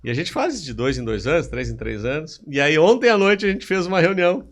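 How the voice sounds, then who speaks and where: A man hosting a podcast, telling stories in a relaxed, chuckling way. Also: on the high side, a little fast. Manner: relaxed storytelling, chuckles, restarts. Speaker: podcast host. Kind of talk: casual podcast chat. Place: studio table.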